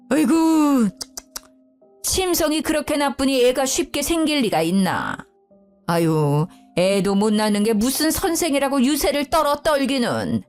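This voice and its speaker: A woman voicing a sharp-tongued older mother-in-law who scolds her daughter-in-law with contempt. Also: high voice. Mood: shrieking.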